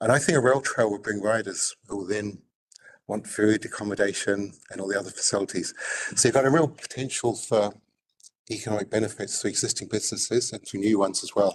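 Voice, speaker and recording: In a New Zealand accent, a man talks very fast at a fairly low pitch, his intonation fairly even and his loudness swinging widely. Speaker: submitter at council hearing, cycling enterprise owner. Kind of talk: public submission presentation. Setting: council chamber hearing. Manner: soft-spoken. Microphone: too quiet at times.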